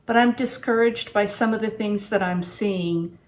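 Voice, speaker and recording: Speaking at a moderate pace in a mid-range voice, this sixty-something homesteading vlogger chats unscripted to camera from her home kitchen. Her manner is plain-spoken and reflective as she reviews gear and shares practical advice.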